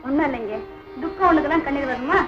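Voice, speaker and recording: Woman playing a devoted young wife, soft, tender, high voice, lo-fi old film sound, loud music. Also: racing, natural voice.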